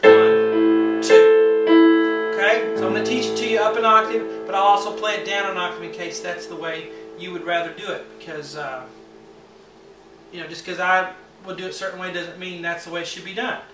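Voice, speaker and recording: A man with a high voice teaching a piano part step by step, patiently counting the beats and humming the notes. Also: level tone, a little fast, distant mic. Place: room with a piano. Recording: roomy, from off the mic, loud piano.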